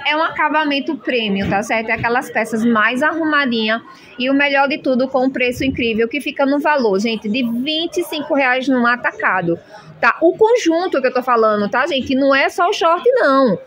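A high-pitched woman talks in a chatty, gushing way as she shows off children's clothes in a shop. She fills her talk with warm asides to her viewers and sounds excited about every piece. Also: moderate pace. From Brazil. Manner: gushing, chatty, constant "minha gente". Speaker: shopping vlogger. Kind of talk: enthusiastic product showcase. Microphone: handheld phone camera.

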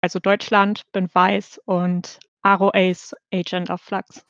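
A woman's voice: medium pitch, little pitch movement, takes it slowly, a bit bright. A woman in her mid-twenties from North Rhine-Westphalia, Germany, introducing herself casually. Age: 20s. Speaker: podcast member. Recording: dry, dull voice chat.

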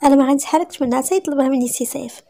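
A woman's voice: high voice, very fast, mellow, voice pushed up. A woman with a Moroccan accent voicing a sly young woman who plays innocent.

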